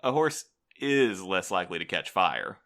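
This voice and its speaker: An actor playing a prim, officious postal supervisor in an audio drama, formal, polite and unflappable. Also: male voice, deep voice, big pitch swings, normal speed, a bit bright, heavily acted. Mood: brightly condescending. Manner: formal, bureaucratic, smoothly evasive.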